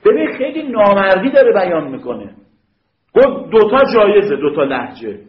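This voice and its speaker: Male teacher, high voice, lively lecturing with rhetorical checks, recorded in an echoey room. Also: lo-fi sound. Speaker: Arabic grammar teacher. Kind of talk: classroom lecture.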